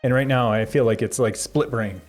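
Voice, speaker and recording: A young man hosting a live tech stream, answering viewer chat in a rambling, halting way with lots of fillers and restarts. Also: medium pitch, soft background music. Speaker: tech livestream host.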